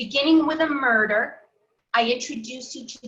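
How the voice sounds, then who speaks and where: With a New York accent, a woman talks at a moderate pace with lively intonation. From New York, Long Island. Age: 60s. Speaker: author. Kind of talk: reading aloud.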